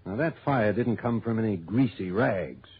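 A man's voice: lowish voice, expressive, moderate pace, husky. An actor playing an opinionated, folksy male client who insists on his suspicions, in 1960s radio drama style. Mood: insistent. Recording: tinny old radio broadcast.

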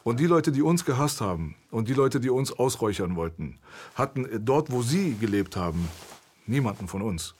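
A man's voice: mid-range voice, very animated, normal speed, a little mellow, slight background noise. A man from Berlin, a guest in a candid conversation, telling his story in a blunt, intense way. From Berlin, Germany.

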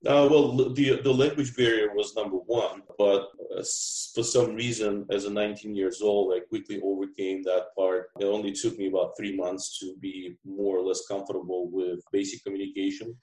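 A man's voice: on the low side, level tone, normal speed, few pauses, darkish tone. Hesitant Russian-accented man, echoey room. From Uzbekistan. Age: 40s. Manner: hesitant, frequent fillers and repeats. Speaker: podcast guest, business owner. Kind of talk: casual interview chat.

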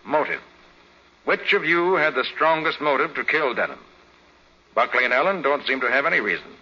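An actor playing a shrewd, commanding private detective, brisk and authoritative, in 1940s radio drama style. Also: male voice, mid-range voice, animated, pushed and bright, slightly rough, full character voice. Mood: commanding, expository. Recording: dull 1940s radio recording.

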